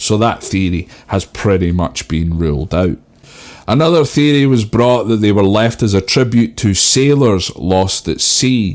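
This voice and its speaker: Lively intonation marks this man's fairly slow speech with a Scottish accent. His pitch is fairly low and his loudness very even. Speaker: history podcaster. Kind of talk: history podcast narration.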